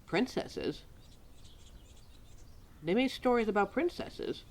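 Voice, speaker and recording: A woman acts out a female keeper of forgotten lore in an audio roleplay. The keeper talks slowly at a middling pitch, rambling in a chatty way. There is an indignant streak, and a habit of thinking out loud to herself. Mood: helpful, chatty. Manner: rambling, talks to self, animated, sighing. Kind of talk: ad-libbed audio roleplay, addressed to a listener.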